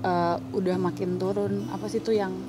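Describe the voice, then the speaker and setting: A young woman, speaking in a halting way, often searching for her words. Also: mid-range voice, little pitch movement. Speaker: panel guest. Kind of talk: casual conversation. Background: soft music.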